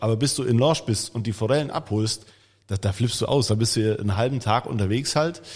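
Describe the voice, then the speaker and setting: Here is a man with an unremarkable speaking voice. His pitch sits in the middle and his intonation stays fairly even. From Bavarian Swabia (Allgäu area), Germany. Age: 40s. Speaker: star chef. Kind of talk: casual chat.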